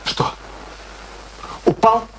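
An actor playing a conscientious, forgiving family friend in a radio play, speaking earnestly, reasoning with dramatic delivery. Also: male voice, very slow, fairly bright tone. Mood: alert. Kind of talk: Russian radio play acting. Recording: noisy old radio drama recording with clicks.

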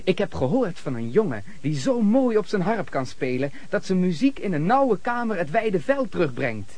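An actor playing a deferential, gentle royal servant who advises in a respectful, lyrical manner in a radio play. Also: male voice, high voice, big pitch swings, moderate pace, heavily acted.

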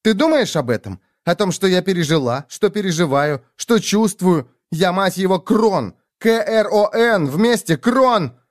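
A man voicing a sharp-tongued, angry young woman in an audiobook, sarcastic and swearing. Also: high-pitched, lively intonation, unhurried, few pauses, pitched above the performer's own voice. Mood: furious.

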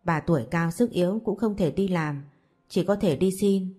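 A kind old beggar woman, read by a woman. She speaks slowly and softly in a lowish, mellow voice. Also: breathy edge. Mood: grateful.

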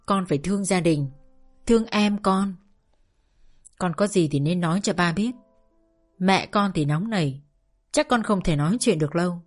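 A gentle, grieving older father speaks in a low, soft, pleading voice, as a woman narrator reads him. His words come slow and heavy with regret. Faint music hums behind him. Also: lightly acted. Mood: sorrowful.

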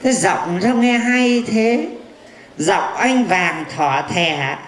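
A man's voice: sits high, lively intonation, extremely slow, a bit bright, exaggerated voice. A man playing a boastful blind fortune teller. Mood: flirty. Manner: bragging, teasing, insulting banter. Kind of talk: stage comedy skit. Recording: echoey live stage with audience.

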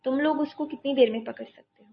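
A woman voicing a calm, commanding young male army captain who steadily coaxes a frightened child, on dull lo-fi audio. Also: high voice, gravelly, a little hiss or hum, voice pushed up. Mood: urgent. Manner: steady, coaxing, talks a frightened child through danger.

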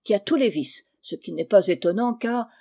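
A woman voicing a miserly, spiteful older woman who talks in a shrill, hasty and grasping way. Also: expressive, moderate pace, mellow. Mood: scheming.

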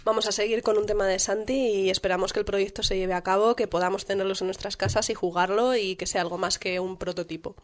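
A woman's voice: mid-range voice, steady tone, quick pace, few pauses. A woman hosts a casual radio talk show and teases her guests bluntly. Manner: teasing, blunt, jokey.

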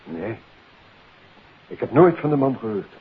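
A man's voice: mid-range voice, sing-song, a little slow, slightly rough, heavily acted. An actor playing an uneasy, formal male suspect in a 1950s Dutch radio play, hesitant and defensive. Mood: guarded. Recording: tinny, hissy old radio recording.

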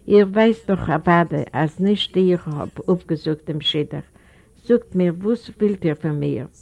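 A woman's voice: on the low side, takes it slowly, vocal fry, a little mellow, highs cut off, heavily acted. A woman reading as a young earnest heroine. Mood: questioning. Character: young woman, shy and bold by turns.

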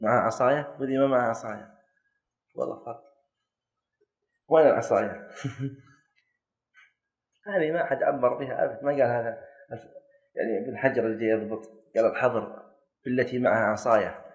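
A man's voice: mid-range voice, fairly quick, pauses often. Sheikh quizzing his students. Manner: quizzing and correcting students, joking lightly. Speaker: teacher of Islamic jurisprudence. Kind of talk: classroom lesson with questions to students.

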